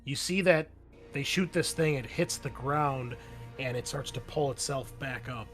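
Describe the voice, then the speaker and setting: Male game master, mid-range voice, slow pace, vivid tabletop narration, light music underneath. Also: medium pitch, fairly bright tone. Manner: vivid second-person scene narration.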